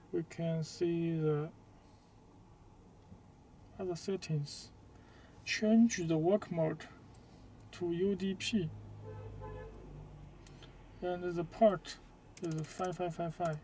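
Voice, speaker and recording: A man with a high voice and a creaky edge walks through a product setup very slowly. He is not a native English speaker and talks in short, halting, simple phrases, like a hands-on tutorial recorded in a car. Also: mellow, slight background noise. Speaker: product demonstrator. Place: inside a parked car.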